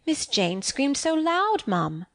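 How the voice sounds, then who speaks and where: An anxious, kindly nursemaid, voiced by a woman narrator, full of worried questions. The voice is lifted higher than the narration. It comes from an audiobook reading. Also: very animated, takes it slowly, no room sound, clean studio sound, heavily acted. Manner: concerned questioning.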